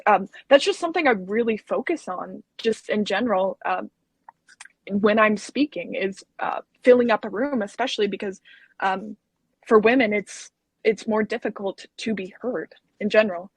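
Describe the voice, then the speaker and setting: Husky young woman, hesitant. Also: mid-range voice, dry recording. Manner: hesitant, many ums. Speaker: panelist. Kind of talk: casual panel discussion.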